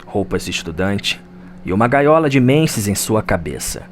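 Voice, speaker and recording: A man's voice: fairly low pitch, very animated, moderate pace, a little hiss or hum. A man with a Brazilian accent, giving dramatic scripted narration of a fantasy game story. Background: music.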